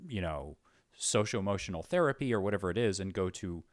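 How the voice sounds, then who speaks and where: A man's voice: low voice, animated, fairly quick, dry recording, clean studio sound. A man interviewing in a casual, reflective way, thinking aloud as he goes. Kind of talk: casual thoughtful conversation.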